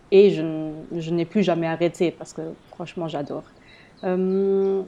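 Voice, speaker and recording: A woman in her late thirties with a German accent, a native German speaker, hosting a casual solo podcast and explaining in a slightly halting way. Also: medium pitch, dark tone. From German-speaking area, living in eastern Belgium near the German border. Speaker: podcast host and blogger.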